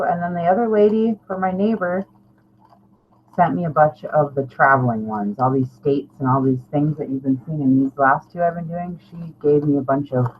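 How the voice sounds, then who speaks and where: A middle-aged woman chatting casually and ramblingly to viewers as a craft vlogger, informal, self-deprecating and a little salty. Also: low-pitched. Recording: dull lo-fi sound, clear background noise.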